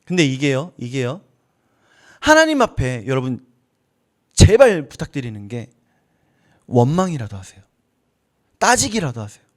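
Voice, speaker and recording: A man's voice: medium pitch, wildly swooping pitch, measured pace, long pauses. A male pastor preaching a sermon, acting out little dialogues with God. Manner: preaching, acts out dialogues with God in shifting voices. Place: church.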